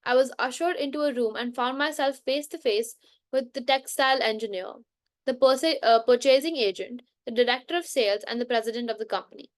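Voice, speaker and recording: Woman, slightly high voice, reading a book aloud, frequent self-corrections, dry close sound. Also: fairly quick, no echo. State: coughing now and then. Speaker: book reader. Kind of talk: unscripted bedtime book reading.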